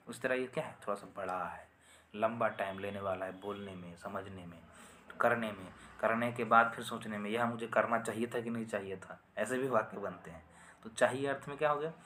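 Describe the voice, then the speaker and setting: A man's voice: mid-range voice, a bit bright, a little hiss or hum. A man teaching a Sanskrit grammar lesson online, explaining with repetition and often asking "है ना?" to check understanding.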